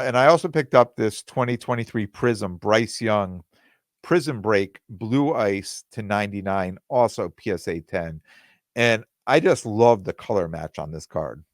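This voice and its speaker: Low-voiced man rambling on his podcast. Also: creaky, no room sound, clean studio sound. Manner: rambling, with many fillers and restarts; quotes other people in dialogue. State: losing his voice. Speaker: podcast host. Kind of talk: casual solo podcast talk.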